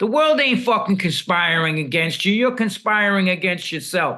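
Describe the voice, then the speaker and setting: A man with a New York accent uses a raised, projected voice at a high pitch with a bright, sharp tone. He keeps a moderate pace with ordinary pitch variation. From New York City. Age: 60s. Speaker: punk musician and author. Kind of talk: podcast interview. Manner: animated.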